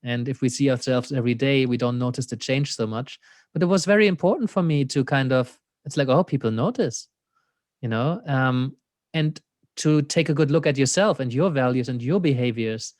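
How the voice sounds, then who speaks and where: A man's voice: mid-range voice, expressive, moderate pace, a little mellow, no echo, studio quality. A man with a German accent, an existential coach talking thoughtfully as an interview guest, laughing often and leaning on "you know.". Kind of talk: reflective conversational interview.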